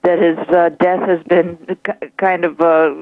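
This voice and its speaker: A woman guest calling into a radio show, chatty and quick to laugh, with hesitant fillers. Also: on the low side, level tone, no echo. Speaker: author and guest. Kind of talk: phone-in radio interview. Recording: phone line.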